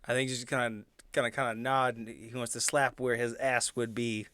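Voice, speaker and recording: A man's voice: medium pitch, little pitch movement, brisk, a bit bright, smooth, no room sound. A man playing a tabletop role-playing game, casually describing what his character does and says.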